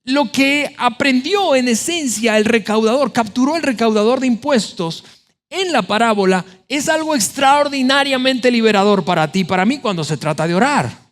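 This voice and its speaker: A man preaching a sermon as pastor, lively and emphatic, often acting out quoted prayers. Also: very high-pitched, normal speed. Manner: animated preaching, voices biblical quotes.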